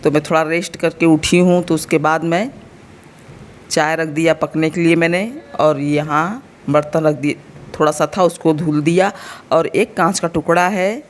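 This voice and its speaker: A woman in her thirties from India with an Uttar Pradesh Hindi accent and a slightly sore throat, chatting to her viewers in a casual home vlog. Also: fairly low pitch. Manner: chatty, addresses viewers directly, explains as she goes. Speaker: vlogger.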